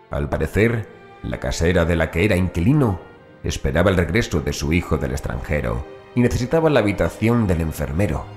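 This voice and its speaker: A man reading a horror audiobook as narrator in a measured, phrase-by-phrase manner. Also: low-pitched, a little mellow.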